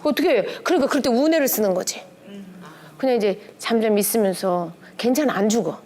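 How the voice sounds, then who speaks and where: Speaking a little fast in a somewhat high voice, a middle-aged woman leads a church class through a relaxed, conversational lecture about family relationships. Her manner is lively, and she switches tones to perform quoted bits of dialogue.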